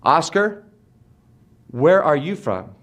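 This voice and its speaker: A man from the United States teaches a beginners' English class in a very slow, deliberate voice. His pitch swings widely as he repeats each word for his students, and his voice sits a bit high for a man. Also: very animated.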